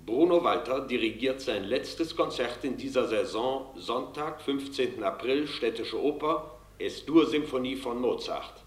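A formal announcer played by a man with a medium-pitched voice. He reads listings in an echoing, roomy sound, as a collage voice in radio drama. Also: animated, a little slow, natural voice. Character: announcer reading out Berlin concert listings.

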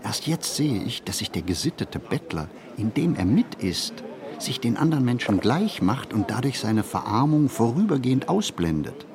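A man reads a reflective literary monologue for a radio play, phrasing deliberately and expressively with pauses. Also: mid-range voice, big pitch swings, crowd noise.

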